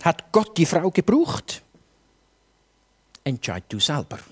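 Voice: mid-range voice, huge pitch swings, slow, darkish tone, slightly rough. A preacher with a Swiss German accent, delivering a sermon with earnest rhetorical questions addressed straight to the listeners.

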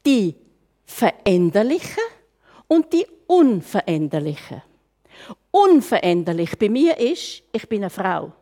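A woman's voice: medium pitch, sing-song, slow pace, mellow. An older woman with a Swiss German accent giving a conversational sermon full of rhetorical questions. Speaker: preacher.

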